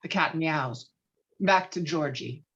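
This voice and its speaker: A woman's voice: deep voice, slow, fairly bright tone, slightly rough. A woman reading screenplay stage directions as dramatic scripted narration. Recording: slightly dull, lo-fi microphone.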